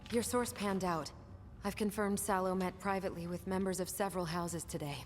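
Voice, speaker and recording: An actress playing a shrewd, worried woman political aide who reports in a hushed, quick manner. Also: lowish voice, fairly even intonation, a little hiss or hum, close to an everyday voice. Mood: concerned. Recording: reverberant hall.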